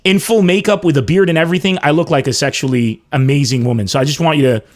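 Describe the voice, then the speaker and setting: A man's voice: a little high, quick pace. A man hosting a podcast over a remote call, heaping praise on his guest and laughing often. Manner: effusive, flattering, laughs a lot. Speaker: podcast host. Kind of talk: casual podcast banter.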